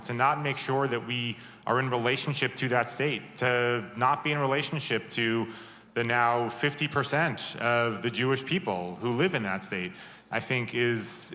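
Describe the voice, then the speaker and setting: A man speaks on a panel with a bright, forceful tone. He is thoughtful and often restarts his sentences, and the roomy hall adds a long echo. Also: mid-range voice. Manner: thoughtful, with restarts and repeated words. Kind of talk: panel discussion answer. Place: large conference hall. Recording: roomy, echoey hall sound.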